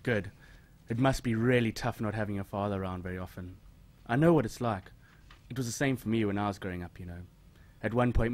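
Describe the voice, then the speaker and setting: A man acting in an audio drama as a smooth, coaxing adult who is befriending a boy. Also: fairly low pitch, close to an everyday voice.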